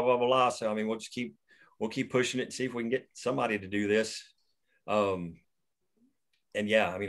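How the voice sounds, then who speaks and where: A man with a medium-pitched voice chats loosely about his screenplay after a table read, circling back and restarting his sentences. He talks over a video call. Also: a bit bright. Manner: rambling, with many restarts and fillers.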